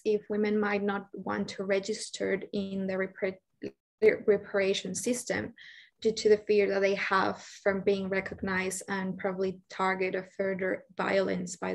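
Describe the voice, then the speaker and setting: A young woman from Colombia commenting and asking a question in a webinar, halting as she searches for words. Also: mid-range voice, gravelly, low-quality recording. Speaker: audience discussant. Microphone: laptop mic on video call.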